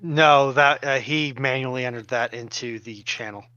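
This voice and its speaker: Bright-voiced man, wordy and measured. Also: medium pitch, fairly even intonation, clean tone, no echo, lo-fi sound. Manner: measured, wordy, formal phrasing. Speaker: co-host and chat moderator. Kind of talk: casual live chat.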